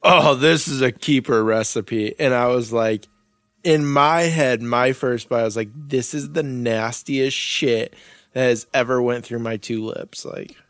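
A man's voice: medium pitch, measured pace, fairly bright tone, dry recording, clean studio sound. A young man co-hosting a podcast in casual chat, rambling, swearing freely and laughing often. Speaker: podcast co-host.

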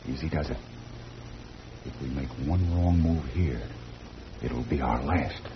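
An actor playing a brave male jungle hero who gives brisk, commanding orders, in a 1940s radio drama. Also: rumbling low. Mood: tense. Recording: dull lo-fi 1940s radio recording with hiss.

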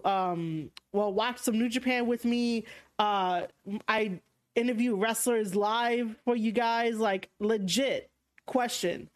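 A young woman with a New York accent, hosting a casual livestream podcast, speaking frankly and rambling with lots of fillers and restarts. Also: on the high side. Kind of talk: casual livestream chat reading viewer comments.

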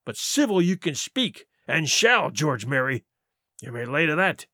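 A man reading an audiobook, voicing a cunning, forceful old pirate cook with rough sailor's speech. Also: sits high, big pitch swings, a little slow, no echo, studio quality, exaggerated voice. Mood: angry.

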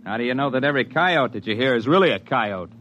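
An actor in a radio drama playing a man who narrates his climbing story in a measured, matter-of-fact way. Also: mid-range voice, lively intonation, fairly bright tone, dull audio, a little hiss or hum, close to an everyday voice. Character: steady adult male climber telling his story.

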